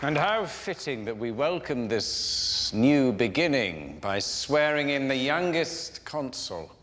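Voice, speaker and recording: An actor playing a polished, middle-aged senior Roman senator, giving ceremonial oratory with formal, stately phrasing in a screen drama. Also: male voice, mid-range voice, fairly bright tone. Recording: echoing hall, clear background noise.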